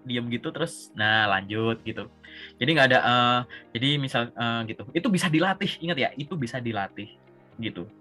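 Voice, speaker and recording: Bright-voiced man coaching in casual talk. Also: mid-range voice, expressive, a little fast, faint music behind. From Java, Indonesia. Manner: conversational, repeats "gitu" and checks understanding with questions. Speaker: career coach. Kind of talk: coaching session on a video call. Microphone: video call.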